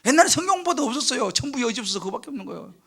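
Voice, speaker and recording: Animated high-voiced man preaching a sermon. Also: racing, husky. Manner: animated storytelling, acts out quoted prayers and crying; swings from loud bursts to hushed near-whispers. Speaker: senior pastor. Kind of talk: sermon at a midweek service. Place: church sanctuary.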